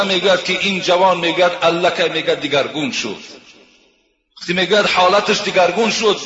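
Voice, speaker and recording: A man preaching, his voice high-pitched and ringing bright. He retells moral stories in a sermon, tagging lines again and again with "he says." The sound is dull and lo-fi, with a long reverb from a large, echoey hall. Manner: retells tales, repeating "he says" often. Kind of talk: sermon with storytelling.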